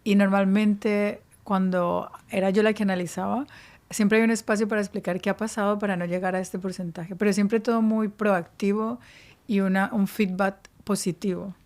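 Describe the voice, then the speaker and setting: Flat-toned woman giving career advice. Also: mid-range voice, normal speed. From Spain. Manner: explanatory, evenly paced answers. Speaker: podcast guest, career advisor. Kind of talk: interview podcast.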